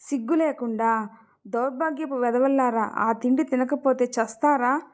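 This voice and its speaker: A woman voicing a timid young daughter who speaks in a hushed, secretive way. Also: sits high, moderate pace, lightly acted.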